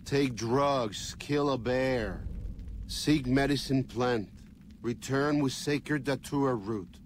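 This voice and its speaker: Man playing a solemn tribal shaman, broken clipped phrasing, very slow delivery. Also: mid-range voice, a little hiss or hum, natural voice.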